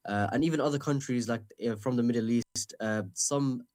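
A man's voice: mid-range voice, brisk, darkish tone. A man interviewing an author, asking a long question with many fillers and hesitations.

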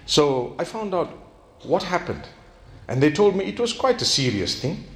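A man preaching an Islamic sermon. He tells stories animatedly, acts out bits of dialogue and slows down to stress his key points. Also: fairly high pitch. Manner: animated storytelling, acting out quoted dialogue.

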